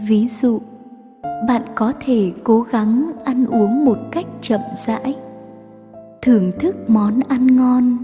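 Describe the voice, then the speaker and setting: Clear music plays behind a woman who speaks very slowly with long, frequent pauses, a fairly high pitch and ordinary pitch variation. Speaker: prayer reader. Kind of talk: devotional prayer reading. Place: studio.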